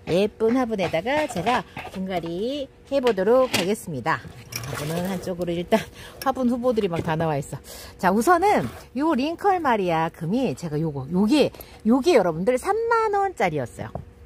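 A middle-aged woman chats casually at home, her voice rising and falling in a lively, sing-song way. There is a faint hiss of room noise behind her, with her cat meowing now and then. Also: mid-range voice, moderate pace. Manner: chatty, scolds and coos at her cat. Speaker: channel host. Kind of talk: casual chat while repotting plants.

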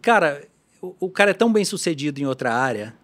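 A man, a guitar tech shop owner talking as a guest in a casual podcast conversation, animated and full of restarts. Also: a little high, quick pace. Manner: animated, talkative, with frequent restarts.

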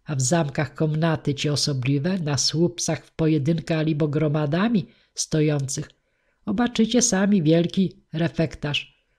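A woman's voice: deep voice, unhurried, a little mellow, husky. A hearty noble knight describes what he has seen with courtesy, as a woman reads him aloud. He is an older man, a figure from a storybook. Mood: admiring.

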